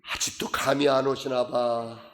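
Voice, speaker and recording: A man's voice: unhurried, slight background noise. A middle-aged man preaching a sermon as pastor, asking the congregation questions and acting out doubters in a mocking voice. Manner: animated preaching, quizzing the congregation with call-and-response questions; acts out skeptics in a high mocking voice.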